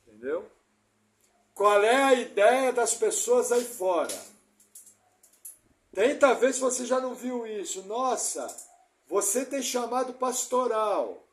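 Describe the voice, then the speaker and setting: High-voiced pastor preaching emphatically. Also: male voice. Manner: emphatic, asks the congregation rhetorical questions; swings between loud emphasis and soft asides. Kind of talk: expository sermon.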